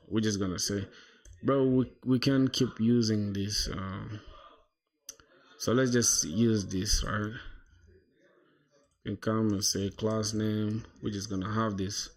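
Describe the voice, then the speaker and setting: Young South Sudanese man chatting while coding. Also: on the low side. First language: Shilluk. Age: young adult. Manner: relaxed, thinks aloud, says "bro" a lot. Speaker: livestreaming programmer. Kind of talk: casual coding livestream chat.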